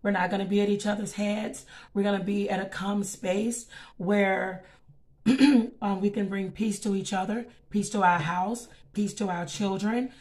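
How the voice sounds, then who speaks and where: A woman with a scratchy voice giving a casual tarot reading, chatty and filling pauses with um and okay. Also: mid-range voice, steady tone, darkish tone. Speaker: tarot reader.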